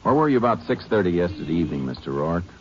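A low, steady voice of a lawman who questions suspects calmly but firmly. He speaks as the commanding lead of a vintage radio western. The sound is muffled, like an old broadcast. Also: rapid-fire, a little hiss or hum. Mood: stern. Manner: calm, firm and commanding. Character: steady, firm male Texas Ranger narrator. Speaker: Texas Ranger lead. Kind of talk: 1950s radio drama acting.

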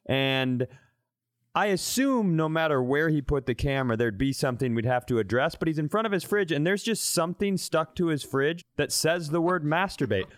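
A man with a slightly high, very lively voice co-hosts a comedy podcast. He banters casually, teasing with crude humor. The sound is close and dry. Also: normal speed, no room sound. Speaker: podcast co-host.

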